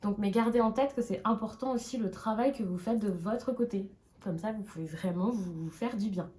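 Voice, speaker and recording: A woman's voice: medium pitch, moderate pace, mellow. A woman reading tarot cards for her online channel, talking casually to her viewers, chatty and rambling with many fillers. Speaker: tarot card reader. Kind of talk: casual talk to camera.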